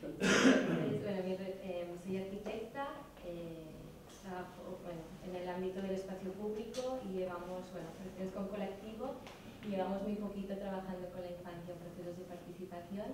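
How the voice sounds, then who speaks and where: A woman's voice: on the low side, steady tone, normal speed, recorded from a distance, background noise. Joking woman architect, echoey room. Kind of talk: self-introduction in a seminar. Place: seminar room, seated in a circle.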